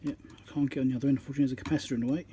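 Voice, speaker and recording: A man's voice: medium pitch, fairly even intonation, dark tone. Man muttering through workbench demo, faint noise. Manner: halting, muttering to himself while concentrating on fiddly work. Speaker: electronics repairer, channel host. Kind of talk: casual hands-on demonstration commentary while working. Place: indoor electronics workbench. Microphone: phone on a tripod above the work. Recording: noisy room recording on a phone.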